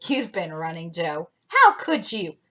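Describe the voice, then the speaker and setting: A woman's voice: on the low side, wildly swooping pitch, a little slow, pushed and bright, heavily acted. Woman reading as prim ladylike sister. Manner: reproving and proper.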